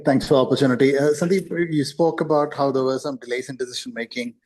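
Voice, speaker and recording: A man's voice: mid-range voice, fairly even intonation, fast, darkish tone. A man on a breaking-up call line asks an earnings call question, hesitant and full of fillers, while his audio drops out. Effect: breaking-up call line, audio cutting out.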